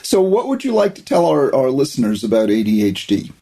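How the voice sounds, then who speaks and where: Warm-toned older male podcast host. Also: medium pitch, wildly swooping pitch, fairly quick, creaky, slightly rough. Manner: enthusiastic, effusive introductions. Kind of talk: podcast interview.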